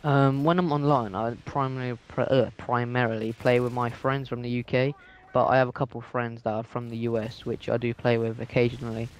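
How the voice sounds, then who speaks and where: A teenage guy from England commentates on a video game as a guest. His mid-pitched voice stays quite monotone, and he speaks casually and hesitantly, matter-of-fact about what he plays. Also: a little fast, a little hiss or hum. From England, moved from Dubai aged two.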